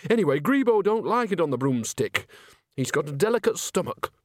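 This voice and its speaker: A man's voice: a little high, sing-song, brisk, a little mellow, no echo, clean studio sound, pitched above the performer's own voice. Man putting on a chatty, bickering old village woman. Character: chatty, cosy old village witch, airily defensive.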